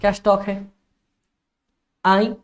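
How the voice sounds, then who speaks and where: A young man teaching a live-streamed online exam class, energetic and coaxing, who keeps repeating phrases and reads chat comments aloud. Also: sits high, takes it slowly. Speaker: accountancy exam tutor.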